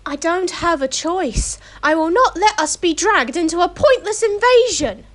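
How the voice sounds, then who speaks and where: A woman's voice: very high voice, animated, measured pace. A woman playing a resolute, principled young queen in an audio play, earnest and determined. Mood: defiant.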